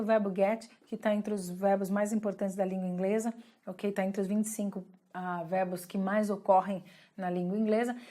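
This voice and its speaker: A woman's voice: mid-range voice, a little mellow. A woman from Brazil in her thirties giving an English lesson, explaining patiently and checking in with the viewers often. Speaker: English teacher.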